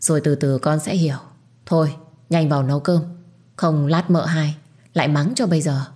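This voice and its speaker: A woman doing a kindly older nanny who speaks gently and reassuringly. Her voice is low and husky. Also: steady tone, moderate pace. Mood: gentle.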